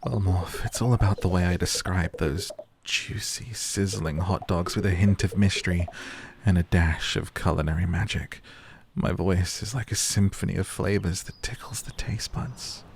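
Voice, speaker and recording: A smooth-talking hot dog vendor villager. He speaks in a low, flowery, boastful way. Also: fairly even intonation, moderate pace, slight background noise.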